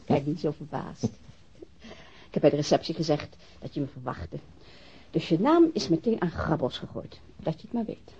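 Teasing, mellow-voiced bold woman. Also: low-pitched, sing-song, moderate pace. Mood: teasing, flirtatious. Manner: mock-formal teasing, flirtatious, bossy. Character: teasing, bold, playful woman visiting her lover at night. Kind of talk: intimate radio drama dialogue. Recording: dull, noisy old radio drama recording.

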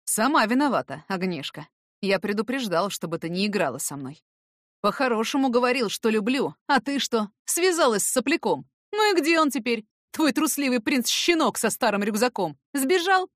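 A woman's voice: a little high, sing-song, normal speed, no room sound, clean studio sound, voice pushed up. Woman reading as a smirking, cocky young man. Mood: taunting. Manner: smirking, taunting.

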